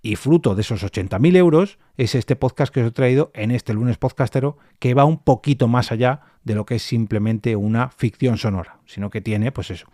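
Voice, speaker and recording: A man's voice: mid-range voice, normal speed, hardly any pauses, warm tone, no room sound, studio quality. A man with a Spain Spanish accent hosting a solo podcast, explaining things informally with emphatic repetitions in a conversational review style. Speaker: podcast host.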